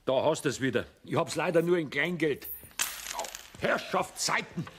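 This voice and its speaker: An actor playing a sceptical, mocking middle-aged tradesman with a Bavarian accent and a rough voice in a children's radio play. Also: fairly high pitch, lively intonation, normal speed, a bit bright, a little hiss or hum. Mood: grumbling. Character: sceptical, blustering male tradesman neighbour, mocking and grumbly.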